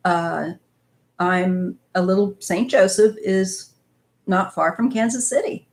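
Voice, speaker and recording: A woman in her fifties, from northwest Missouri, USA, speaks slowly at medium pitch while hosting her tarot live stream. She reads the chat, rambling in a casual, chatty way and talking to her audience as "you guys."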